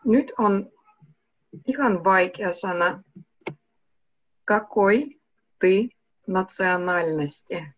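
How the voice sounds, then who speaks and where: A young woman teaching a language over a video call, speaking slowly and patiently and switching between two languages. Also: medium pitch, dry recording. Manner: slow, patient, switches between Russian and Finnish. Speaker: online Russian teacher. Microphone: video call webcam mic. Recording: muffled, dry video call audio.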